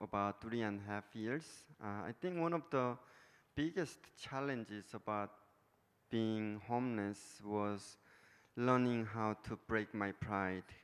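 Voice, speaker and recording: A man with a Korean accent speaks at a very slow pace. His pitch is fairly low, with ordinary pitch variation. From North Korea. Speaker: refugee and human rights advocate. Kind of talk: public talk. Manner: halting.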